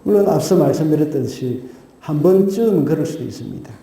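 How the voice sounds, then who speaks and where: A male pastor delivering a Sunday sermon in measured preaching style, often dropping in short affirming interjections. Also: a little high, very animated, creaky, warm tone. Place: church sanctuary. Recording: very echoey church hall.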